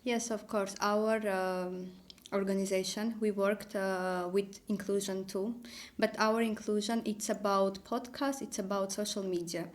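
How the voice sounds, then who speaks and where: A young woman, co-hosting a studio podcast and speaking haltingly in simple phrases. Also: mid-range voice, steady tone. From Armenia. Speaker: podcast co-host. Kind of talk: casual podcast chat. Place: small studio.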